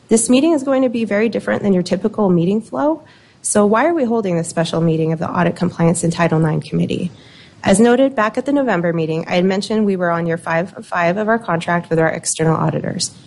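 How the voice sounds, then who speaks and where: A woman with a slightly squeaky voice, an internal auditor giving measured, explanatory prepared remarks at a public meeting. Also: darkish tone. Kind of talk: formal committee presentation.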